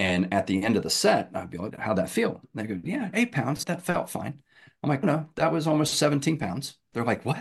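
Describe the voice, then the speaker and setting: A man's fairly high voice with an American accent, vocal fry, and very wide pitch swings. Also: fairly quick pace, quiet background. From US South, Roanoke, Virginia. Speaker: kettlebell coach and athletic trainer. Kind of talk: casual interview.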